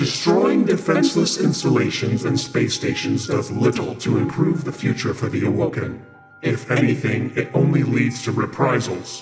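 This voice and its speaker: A man's put-on character voice at a medium pitch and moderate pace, with strong echo and clear music in the background. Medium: audio drama. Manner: formal, measured.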